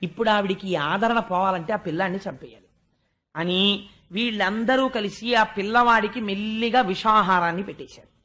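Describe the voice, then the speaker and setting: A man's voice: sits high, moderate pace, pushed and bright. A man giving a devotional scripture discourse, telling the story at length and chanting verses in a sing-song lilt. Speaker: spiritual discourse speaker.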